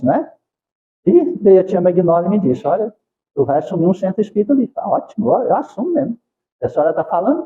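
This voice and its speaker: Earnest older man in a lively lecture. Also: a little high, phone-quality sound. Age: 60s. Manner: earnest, often adds tag questions. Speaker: Spiritist center lecturer. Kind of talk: devotional lecture. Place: lecture hall of a Spiritist center.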